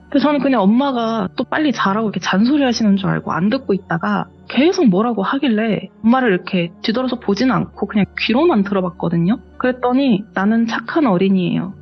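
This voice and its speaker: Husky woman telling a ghost story. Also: a little high, highs cut off. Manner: conversational, matter-of-fact retelling. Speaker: guest storyteller. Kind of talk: telling a true ghost story on a horror radio show.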